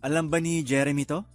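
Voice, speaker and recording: Radio drama role: smug, sleazy young guy, high voice, slow goading drawl, faint music behind. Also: no room sound. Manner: mocking, goading, chuckling, drawn-out teasing. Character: sleazy, taunting young man, a KTV bar customer. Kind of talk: Tagalog radio drama acting.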